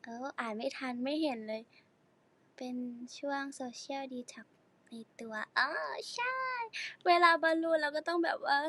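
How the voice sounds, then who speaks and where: A woman's voice: high-pitched, a little slow, fairly bright tone. A teenage girl idol chatting casually on a live stream, giggling and reading fan comments while sore and sitting stiffly.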